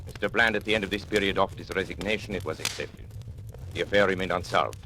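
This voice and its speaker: An actor playing a sinister agent who narrates and taunts powerful men in theatrical 1940s radio acting. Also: male voice, sits low, fast talker, pushed and bright, a little hiss or hum. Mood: calm. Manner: menacing, mocking, theatrical. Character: sinister male confidential agent turned blackmailer.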